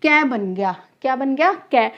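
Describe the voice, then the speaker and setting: A woman with a high voice teaches a grammar lesson at an unhurried, deliberate pace. She poses a question, then answers it herself, repeating each key term for her students. The recording is slightly dull and lo-fi. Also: expressive. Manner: addresses students as children. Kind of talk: classroom lesson for exam students.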